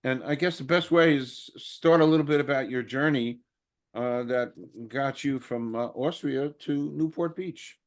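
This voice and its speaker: Male interview host, hesitant, self-deprecating, lots of fillers, mid pitch. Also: unhurried. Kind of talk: conversational interview.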